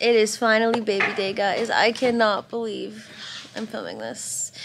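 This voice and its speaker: Music runs in the background as a woman talks. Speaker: expectant mother vlogger. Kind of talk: casual vlog chat. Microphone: phone near.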